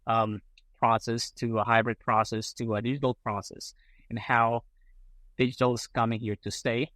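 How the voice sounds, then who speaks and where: A man's voice: medium pitch, level tone, moderate pace, fairly bright tone, no room sound. A middle-aged man from Colombia, a prosthodontist guest on a podcast, talking casually with many fillers and restarts. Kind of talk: casual interview talk.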